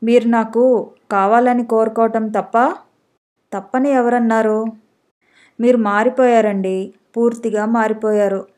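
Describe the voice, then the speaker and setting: A woman's voice: a little high, steady tone, measured pace, pauses often, darkish tone, natural voice. A woman reading the part of a hurt young wife who feels neglected, reproachful and pleading in a storybook reading. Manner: tearful, reproachful.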